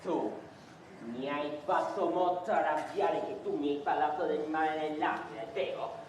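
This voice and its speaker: A man's voice: a little high, steady tone, moderate pace. A man taking part in a group role-play exercise, speaking bluntly and insistently. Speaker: group participant. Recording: distant echoey room with faint noise.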